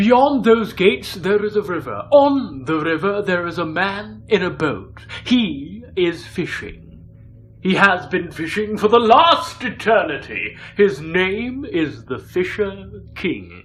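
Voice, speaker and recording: Music plays in the background as a man uses a put-on character voice, high-pitched and fairly slow. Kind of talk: comic audio drama.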